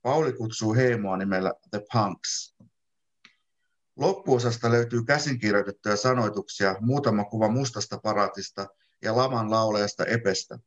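A man reading his own literary text aloud in a calm, measured first-person narration. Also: fairly low pitch. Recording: dull lo-fi sound.

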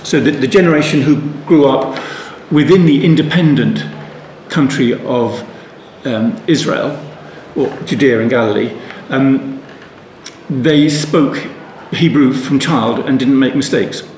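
In an echoey room with faint ambient noise, a Bible teacher gives an unscripted Bible study talk. His mid-range voice has a darkish tone, and he rambles thoughtfully, often restarting and going off on asides.

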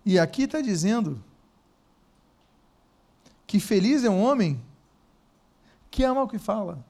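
A man with a high voice preaches a sermon. He questions the congregation often and swings between quiet, slowed emphasis and sudden loud bursts. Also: expressive, creaky.

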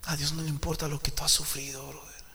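A man preaching a sermon in a church, talking emphatically and swinging from soft, confiding talk to loud outbursts as he addresses the listener directly. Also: on the high side, little pitch movement, quick pace, vocal fry. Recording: long hall reverb with faint background noise.

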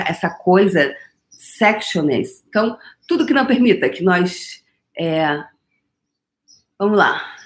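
Brazilian woman hosting a live stream, chatty and playful, lots of laughing, breaks into chant-like repeated lines. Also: lowish voice. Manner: animated, playful, laughs often, repeats incantation-like phrases. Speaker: live stream host leading a workshop. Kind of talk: casual spiritual coaching live stream.

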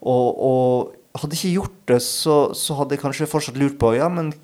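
A man, an author and podcast guest, speaking in a thoughtful, halting way and often searching for his words. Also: mid-range voice, steady tone, a little mellow. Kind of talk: reflective interview talk.

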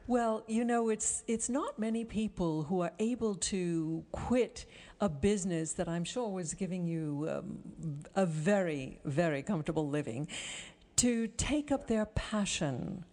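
A woman hosting an interview show, speaking in a measured, articulate presenter's manner. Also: mid-range voice, warm tone. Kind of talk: scripted introduction and interview.

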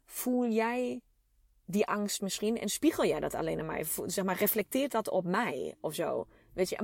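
A woman's voice: medium pitch, a little mellow, dry recording. A woman in her thirties telling a personal story to her listeners in an open, chatty, emotional way with plenty of fillers. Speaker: vlogger speaking to a female audience.

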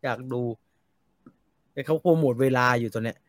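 A man's voice: mid-range voice, normal speed, no room sound. A man co-hosting a casual live chat, reading out viewer questions and rambling on between them. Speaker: co-host reading viewer comments.

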